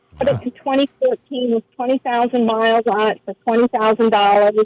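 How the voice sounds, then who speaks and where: With a normal speaking voice, a woman talks at a fairly quick pace and a fairly high pitch in a dry, close sound with no echo. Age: 60s. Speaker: caller. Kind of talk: casual chat.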